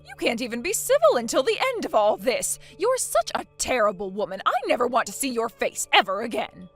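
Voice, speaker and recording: A woman voicing a bossy middle-aged mother-in-law who scolds and makes demands loudly, with faint music behind. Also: a little high, very animated, normal speed. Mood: angry. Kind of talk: dramatized story acting.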